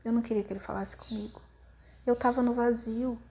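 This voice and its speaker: A Brazilian woman hosting a podcast, telling a personal story in an intimate, reflective way with many pauses. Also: a little high, steady tone, vocal fry, dark tone. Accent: Brazilian Portuguese. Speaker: podcast host.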